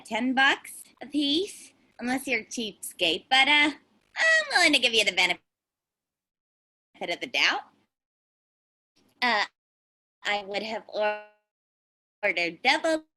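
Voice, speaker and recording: A woman acting a pushy, stingy teenage girl who briskly tallies costs in a comedy table read. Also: on the high side, sharp tone, exaggerated voice. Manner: brisk, demanding, itemizing costs. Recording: remote virtual table read call.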